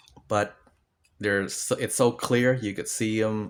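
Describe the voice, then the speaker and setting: Speaking with a non-native accent, a man uses a fairly low pitch. His pace is fairly slow and his intonation fairly even. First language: not English. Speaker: product reviewer. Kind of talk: casual unboxing review. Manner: halting, many fillers.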